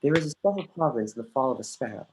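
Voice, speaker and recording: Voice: medium pitch, expressive, rapid-fire, darkish tone, close to an everyday voice, poor audio. An actor playing a brooding, earnest young prince with a defiant streak in a livestreamed reading of Shakespearean verse. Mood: resigned. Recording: livestreamed remote call.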